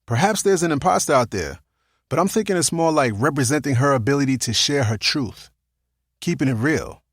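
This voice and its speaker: A man's voice: mid-range voice, lively intonation, a little fast, slightly rough, no echo, studio quality. A man hosting and producing a podcast, talking casually and playfully with slang and easy laughter, with stretches of scripted narration. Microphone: remote video call.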